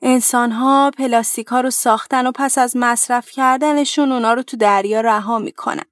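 A woman's voice: fairly high pitch, fairly even intonation, no room sound, studio quality, lightly acted. A woman voicing a young baby whale who sounds faint and weary, in a children's storybook tale. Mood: gentle. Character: baby whale, weak and short of breath.

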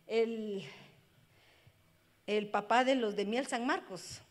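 A woman pastor, preaching a sermon with impassioned swings between loud cries and hushed speech. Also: a little high. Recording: long hall reverb.

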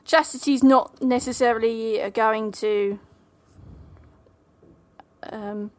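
A woman's voice: on the high side, steady tone, slow, no room sound. A woman playing a tabletop game, talking casually as she decides her character's moves.

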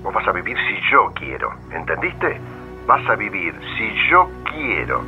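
A man's voice: lowish voice, wildly swooping pitch, measured pace, muffled recording, over loud music, exaggerated voice. A man playing a coldly intimidating, condescending thug in a radio drama, speaking slangy Argentine Spanish with an Argentine accent. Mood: cold menace. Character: menacing male thug threatening a priest.

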